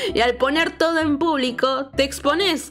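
A woman with a Rioplatense accent, animated in tone, at a moderate pace over background music. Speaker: YouTuber and illustrator. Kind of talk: commentary monologue.

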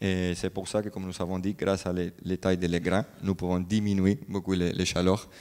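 Against a quiet background, a man with a Spanish accent speaks in a very deep, low voice with monotone, flat intonation. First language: Spanish (speaking French). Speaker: agronomy company representative; presenter. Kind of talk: technical presentation. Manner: mixing French and Spanish. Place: hall. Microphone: handheld.

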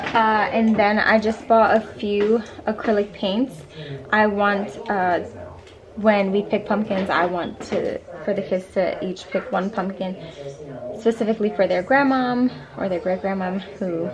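Through noticeable background noise, a woman talks at a fairly slow pace with fairly even intonation and long, frequent pauses. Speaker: home vlogger. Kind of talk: casual vlog chat. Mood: calm, soft, a bit somber. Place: kitchen. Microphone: phone near.

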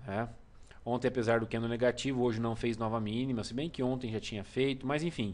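A man speaks at a fairly quick pace. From Brazil. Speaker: stock market trading instructor. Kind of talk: live trading class. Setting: live online broadcast. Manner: casual, conversational. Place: home room. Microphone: headset.

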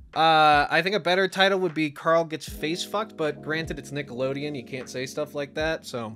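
A man speaks at a fairly quick pace. Faint music can be heard in the background. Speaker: cartoon reviewer. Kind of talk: casual commentary. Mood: amused, mock disgusted. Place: home room.

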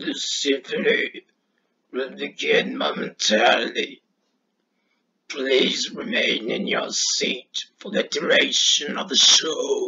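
Man's raspy, guttural put-on character voice, very slow pace. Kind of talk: formal, announcing.

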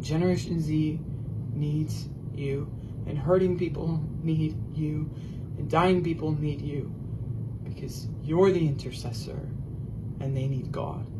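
A man talks with long, frequent pauses. Noticeable background noise runs under his voice. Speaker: young preacher. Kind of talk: sermon. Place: meeting room. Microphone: camera far.

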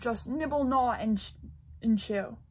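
A croaky, put-on character voice from a woman, fairly high in pitch, with light background noise. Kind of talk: children's story reading. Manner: patient, advising.

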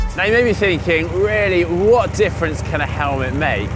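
Against noticeable background noise, a man speaks at a fairly quick pace in a dry sound with no echo. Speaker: presenter. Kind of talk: presenter explainer.

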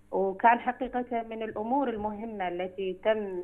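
The woman's intonation holds fairly even. She talks at a fairly slow speed. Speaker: council member on phone. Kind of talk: interview answer. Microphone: phone line.

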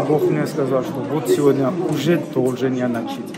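A man's moderate-paced talking is heard amid loud background noise. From North Ossetia, Russia. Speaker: church leader visiting seminar. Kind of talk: interview. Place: hall. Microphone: phone near.

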